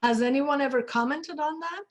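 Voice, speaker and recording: A woman's voice: high-pitched, normal speed. A woman hosting an online panel discussion with artists, putting questions to guests over a video call. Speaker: host of an online talk series with artists.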